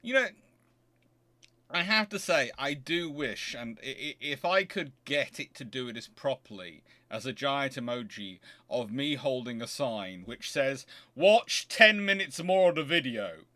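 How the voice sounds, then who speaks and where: A man hosting a casual livestream, chatting in a halting, digressive way with wry, mildly sarcastic asides. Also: mid-range voice, lively intonation, bright, forceful tone. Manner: halting, digressive, self-interrupting. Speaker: livestream host answering chat. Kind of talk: casual rambling livestream chat.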